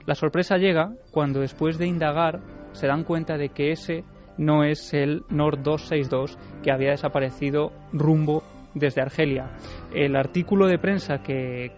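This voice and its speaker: Guy on radio, slightly high voice, telling a story, muffled sound. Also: fairly even intonation, moderate pace, darkish tone, soft background music. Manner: narrative, addresses the host directly. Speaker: radio show contributor. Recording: dull lo-fi radio broadcast.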